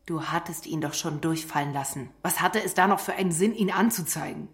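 A woman's voice: low voice, a little fast. An actress dubbing a worried, defensive young woman who argues back and pleads. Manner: defensive and pleading, rising when upset. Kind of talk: dubbed series dialogue.

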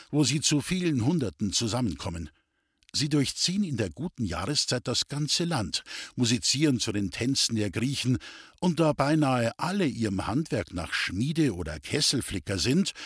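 A male audiobook narrator with a slightly husky voice and a lively, rising and falling delivery. He reads in an expressive storytelling manner, and the recording is dry and close. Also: medium pitch, no room sound. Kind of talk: scripted narration.

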